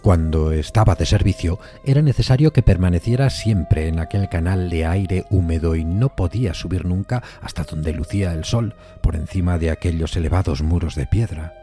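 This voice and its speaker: An actor playing a courteous, uneasy gentleman who recounts an eerie encounter in formal, deliberate suspense narration. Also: low-pitched, faint music behind, close to an everyday voice. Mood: measured suspense. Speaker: narrator of an audio drama. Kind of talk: dramatized first-person suspense story narration.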